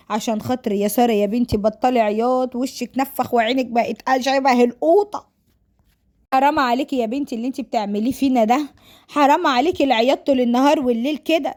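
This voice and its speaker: A woman plays a middle-aged Egyptian mother in a family story. She speaks quickly in a high voice. She cajoles and scolds in turn, sprinkling endearments as she nags. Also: darkish tone, close to an everyday voice. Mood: scolding, coaxing. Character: nagging, coaxing middle-aged mother pushing daughter to marry.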